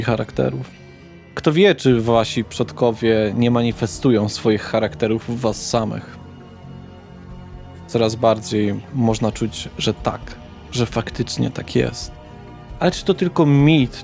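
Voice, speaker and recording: A man working as game master, narrating a tabletop horror roleplay in a dramatic, deliberate storyteller manner. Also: mid-range voice, gravelly, darkish tone.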